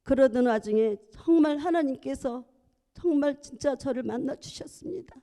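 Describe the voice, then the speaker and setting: A woman's voice: high voice, normal speed, mellow. A middle-aged woman, a church deaconess, giving a heartfelt testimony in a church sanctuary, earnest and at times fervent.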